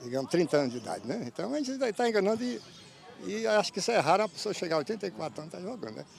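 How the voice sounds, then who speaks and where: A man's high voice at a very fast pace over noticeable background noise. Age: 80s+. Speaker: founder of a neighbourhood football game. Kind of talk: interview.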